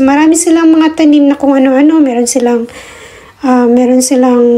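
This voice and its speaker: A woman speaks in a high pitch with fairly even intonation. Background noise is noticeable. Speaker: vlogger, housewife. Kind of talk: casual vlog narration.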